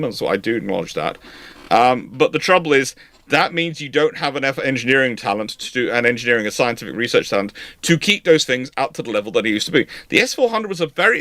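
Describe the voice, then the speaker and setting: A man's voice: medium pitch, a bit bright, no room sound. A man hosting a live naval history question stream, talking in a rambling, sarcastic way with many restarts. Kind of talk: casual live Q&A talk.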